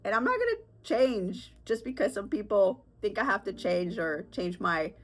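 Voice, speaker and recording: Sick with congestion and a sore throat, a woman chats through her solo podcast in a medium-pitched, expressive voice at a moderate pace. Her talk is candid and casual, wandering with fillers and nervous laughs.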